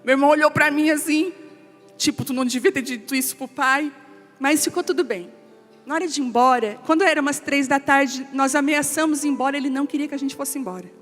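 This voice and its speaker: A woman pastor giving an emotional testimony sermon, telling a family story and quoting relatives in a softer voice. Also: high voice, quick pace. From Brazil. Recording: long hall reverb with soft music.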